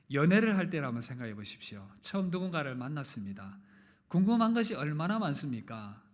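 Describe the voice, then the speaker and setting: A pastor from the Gyeongsang region preaching a sermon in a church, questioning and joking with the congregation, with loud emphatic openings. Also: male voice, mid-range voice. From Gyeongsang region, Korea. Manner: asks the congregation questions and jokes with them. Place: church sanctuary. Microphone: live-streamed service mic.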